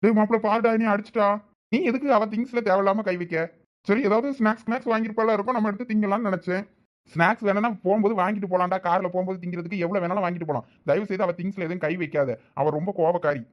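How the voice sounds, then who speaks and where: Fast-talking man with a Thoothukudi accent. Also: high voice, steady tone, lo-fi sound. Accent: Thoothukudi Tamil. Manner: fast, pleading and joking banter. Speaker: comedy skit actor. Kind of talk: village comedy sketch acting.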